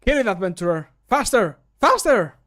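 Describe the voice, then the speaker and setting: Urgent video game sidekick, played by a man, raised pitch, punchy exclamatory delivery. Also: big pitch swings, normal speed, a bit bright. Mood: urgent, egging on. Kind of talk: recorded game voice lines.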